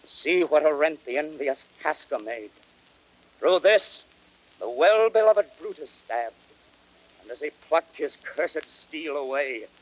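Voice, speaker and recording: Man playing slow, grieving Roman orator Mark Antony. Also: medium pitch, a little hiss or hum, close to an everyday voice, poor audio. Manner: impassioned, drawn-out, swelling from hushed to shouted. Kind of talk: theatrical Shakespearean stage declamation.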